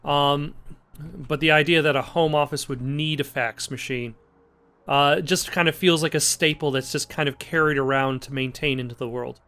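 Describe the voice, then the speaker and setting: A man's voice: a little high, steady tone, moderate pace, pushed and bright, smooth. A man hosting a let's play, giving casual, rambling gameplay commentary with dry jokes over music. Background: game music.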